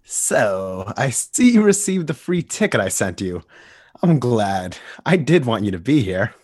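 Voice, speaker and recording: A man's voice: medium pitch, big pitch swings, a little slow, darkish tone, no room sound, clean studio sound. Man reading as a mad, theatrical clown villain. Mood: gloating. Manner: theatrical, taunting monologue. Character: mad male clown villain, gloating and philosophical. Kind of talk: dramatic comic book reading.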